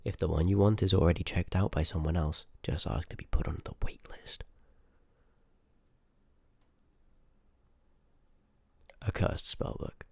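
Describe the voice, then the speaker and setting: A man's voice: low voice, fairly even intonation, a little fast, vocal fry, darkish tone, husky, heavily acted. A man voicing a rude, sarcastic, reluctant sorcerer of a haunted house in a scripted ASMR roleplay, grumbling and dismissive, close on the microphone. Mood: sarcastic, weary.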